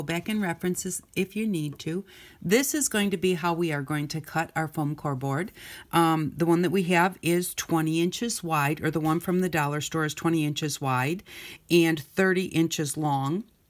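A woman with an ordinary speaking voice talks at a moderate pace and fairly low pitch with ordinary pitch variation. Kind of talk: tutorial. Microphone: phone near.

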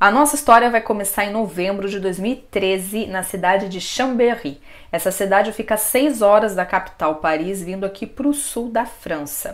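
Moderate-paced speech from a woman with ordinary pitch variation against a quiet background. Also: hardly any pauses. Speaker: true crime channel host. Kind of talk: casual storytelling commentary. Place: home room. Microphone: lapel.

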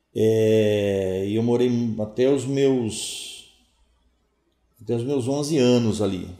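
Speaking at a very slow pace, a man has a dark, mellow tone. Room echo is audible against a quiet background. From Santa Bárbara d'Oeste, interior of São Paulo state, Brazil; São Paulo state, Brazil. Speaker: retired municipal guard inspector; interview guest. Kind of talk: casual interview. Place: studio.

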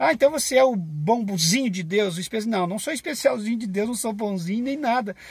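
Against a quiet background with a dry sound and no echo, a man speaks at a fairly quick pace in a high pitch with lively intonation. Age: 40s. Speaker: former church elder and religious YouTuber; religious YouTuber. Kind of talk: religious testimony monologue to camera. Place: car. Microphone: phone near.

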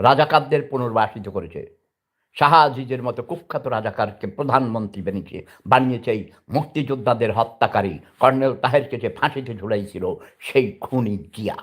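Medium pitch and ordinary pitch variation in a man's speaking voice. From Bangladesh, Chandpur. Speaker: political commentator. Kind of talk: political monologue. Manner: animated.

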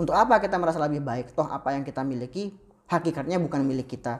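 A man talks at a very fast pace. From Madura, Indonesia (Bangkalan). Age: 20s. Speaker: Islamic cleric. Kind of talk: interview.

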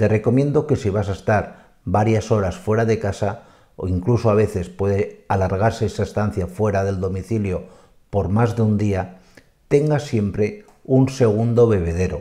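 Over a quiet background, a man speaks at a fairly slow pace in a fairly low, somewhat breathy voice with a dark, mellow tone and ordinary pitch variation. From Spain. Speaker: veterinarian YouTuber; presenter. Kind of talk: tutorial. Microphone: webcam.

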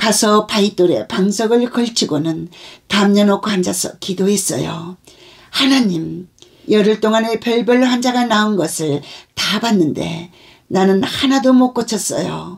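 At a very slow pace, a woman talks with medium pitch, ordinary pitch variation and very even loudness. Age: 80s+. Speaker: missionary. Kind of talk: religious testimony. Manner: energetic.

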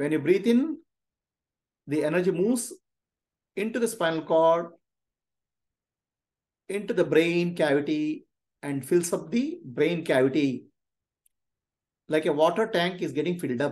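A man with a high pitch and ordinary pitch variation speaks over a quiet background. He leaves long, frequent pauses. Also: moderate pace. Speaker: meditation teacher. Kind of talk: guided meditation instruction. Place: home room. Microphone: video call.

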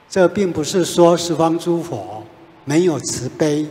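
A man talks at a very slow pace. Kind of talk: sermon. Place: hall. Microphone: handheld.

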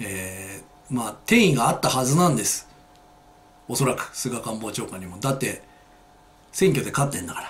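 Lively intonation at a moderate pace, big swings in loudness, long and frequent pauses. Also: man. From Kanagawa, Japan. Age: 50s. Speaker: YouTuber, amateur jogger; YouTuber. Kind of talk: casual vlog monologue. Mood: earnest, critical. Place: home room. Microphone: camera far.

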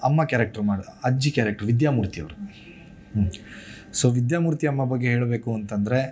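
This man has an ordinary speaking voice at a medium pitch, with ordinary pitch variation and very even loudness. Light background noise is present. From Bengaluru, India. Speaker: TV serial actor. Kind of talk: interview monologue. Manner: casual, conversational. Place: studio.

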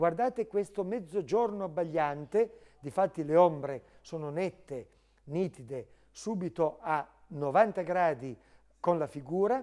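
Very slow speech from a man with a high pitch, a dark, mellow tone and lively intonation. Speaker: TV presenter for an auction house. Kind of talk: live TV art-sale presentation. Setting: live TV broadcast from the auction house showroom. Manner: effusive, gushing with superlatives.

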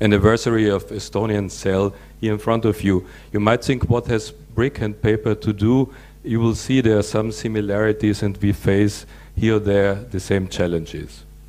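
This man has an ordinary speaking voice with a fairly low pitch. He keeps a moderate pace and fairly even intonation. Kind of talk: conference presentation. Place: hall. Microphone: podium.

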